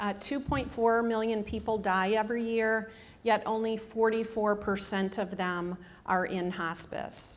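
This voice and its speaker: A woman with a strong Michigan accent talks at a fairly slow pace in a fairly high pitch with fairly even intonation. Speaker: hospice marketing executive. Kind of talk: public talk. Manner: halting, many fillers.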